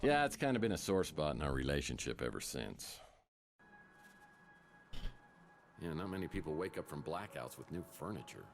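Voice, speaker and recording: An actor playing a deadpan, self-deprecating, down-on-his-luck male private eye in a noir detective game. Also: extremely low pitch, quick pace, gravelly, a little hiss or hum, exaggerated voice. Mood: rueful storytelling.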